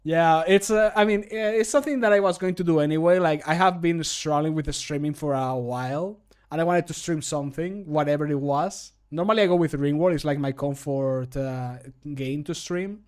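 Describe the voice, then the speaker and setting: Playful man streaming, slightly high voice. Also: normal speed, hardly any pauses, a little mellow, smooth. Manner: playful, joking, self-deprecating. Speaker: streamer and Skyrim modder. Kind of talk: casual live-stream chat. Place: home room, indoors.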